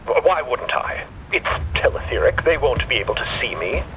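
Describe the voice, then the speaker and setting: A man's voice: mid-range voice, sing-song, normal speed, in a large hall, muffled recording, slight background noise. A man playing a curt, guarded professor explorer with formal, articulate diction in an audio drama. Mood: curt, irritable. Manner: formal, clipped, evasive. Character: male professor explorer with a mind in a machine body, guarded, curt. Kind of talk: audio fiction podcast acting.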